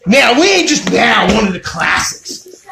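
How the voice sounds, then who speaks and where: A man doing a loud, boisterous comedic sales pitch as a mock shopping channel host. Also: very animated, a little slow, vocal fry, crowd noise. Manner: loud, boisterous, hyped, shouting. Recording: echoey room with loud background noise.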